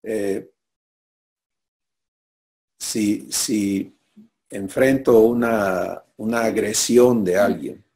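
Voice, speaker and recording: Low, mellow man preaching. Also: steady tone, extremely slow, pauses often. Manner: teaching, asks listeners for assent. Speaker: pastor. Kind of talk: sermon.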